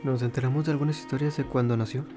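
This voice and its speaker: A man's voice: mid-range voice, steady tone, rapid-fire, music in the background. A man hosting a casual video game playthrough, commenting and reading out dialogue. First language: Spanish. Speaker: gamer, channel host.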